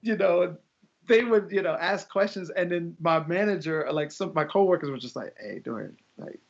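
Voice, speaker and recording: Telling stories in a casual interview, this young man, a guest teacher, lively acts out other people's voices with laughter. His fairly high, creaky voice moves at a moderate pace, recorded in dull lo-fi sound.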